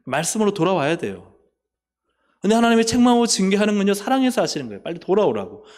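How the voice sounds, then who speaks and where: A man preaching a sermon as pastor, asking the congregation questions and answering them himself, swinging from loud urging down to soft, low asides. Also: sing-song, quick pace. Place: church sanctuary.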